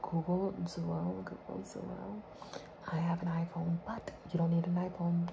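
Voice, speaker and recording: Soft-spoken at a fairly slow pace, the voice sits over noticeable background noise. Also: woman. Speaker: ASMR creator. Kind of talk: soft spoken ASMR chat. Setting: home video, self-recorded. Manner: soft-spoken, casual. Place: home room. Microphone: phone near.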